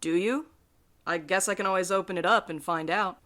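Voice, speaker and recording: A woman playing a wry, defiant night courier in an audio drama, with a dry, deadpan manner. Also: fairly low pitch, fairly quick, close to an everyday voice. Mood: dry, teasing. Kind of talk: audio drama acting and narration.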